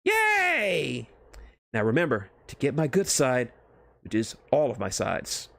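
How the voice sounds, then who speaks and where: A man's voice: medium pitch, wildly swooping pitch, slow, vocal fry, a bit bright, no room sound, studio quality, exaggerated voice. A man voicing a brash, vain, crude wisecracking mercenary antihero in a fan fiction reading, impatient and cheeky. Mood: gleeful, vain. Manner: impatient, cheeky, self-aware heckling.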